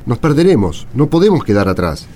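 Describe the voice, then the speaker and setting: An actor with a Rioplatense accent playing a grim Bedouin caravan traveller, intense and dramatic, in a radio play with music. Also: male voice, mid-range voice, sing-song, brisk, darkish tone, natural voice. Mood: urgent. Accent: Rioplatense Spanish. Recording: music under the voice.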